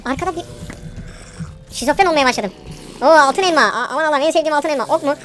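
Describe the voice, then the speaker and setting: A woman commentating her own gameplay live, brash and bossy, yelling slangy orders at the game's monsters. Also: high voice, fast, soft background music.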